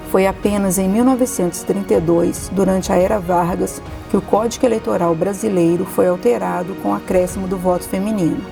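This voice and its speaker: Casting woman, documentary narrator, gravelly mellow tone, faint music under. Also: mid-range voice. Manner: steady, formal delivery. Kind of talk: scripted narration.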